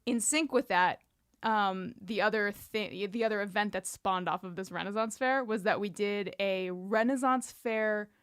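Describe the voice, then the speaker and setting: A woman's voice: mid-range voice, a little slow, a bit bright, clean tone, dry recording, studio quality. A woman co-hosting a podcast, chatting and telling stories in an informal, wry and playful way. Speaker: podcast co-host. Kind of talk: casual chat and personal storytelling.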